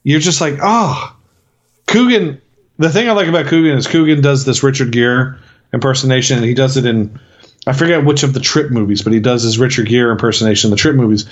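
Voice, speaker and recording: A man's voice: medium pitch, fast talker. A man co-hosting a movie review podcast, talking in a rambling, profane way with many restarts. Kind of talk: casual chat. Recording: dull lo-fi sound.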